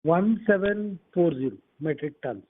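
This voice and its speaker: A man answering haltingly as a company executive on an earnings call, repeating words. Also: on the high side, lively intonation, breathy edge, no echo. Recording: narrow, dry phone line.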